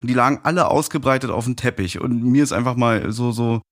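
A man's voice: mid-range voice, fast. A man of forty telling personal stories casually as a guest on a podcast. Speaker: podcast guest, fan of audio plays.

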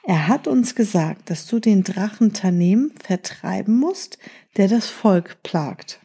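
A woman voicing a group of kind fairies in a children's storybook, speaking softly and pleading. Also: medium pitch, animated, slow, slightly rough, exaggerated voice. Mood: earnest. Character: group of kindly fairies, female, gentle.

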